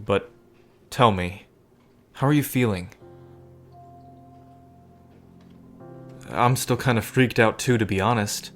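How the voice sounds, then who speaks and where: A man's voice: on the low side, close to an everyday voice. A man playing a devoted, playful ally in a romantic audio drama, with an affectionate, casual and teasing manner. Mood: tender, earnest. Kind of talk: scripted romantic audio roleplay spoken to the listener.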